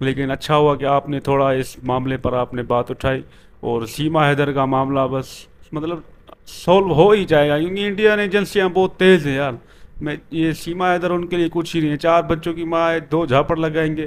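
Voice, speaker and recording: At a fairly slow pace, a man talks in a normal speaking voice, fairly high in pitch, with ordinary pitch variation. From Pakistan. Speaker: reaction video host. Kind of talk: reaction video commentary. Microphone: handheld.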